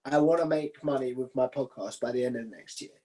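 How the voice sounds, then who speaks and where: A man's voice: medium pitch, brisk, warm tone. A man hosting a casual interview in an informal, conversational way. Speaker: interview host.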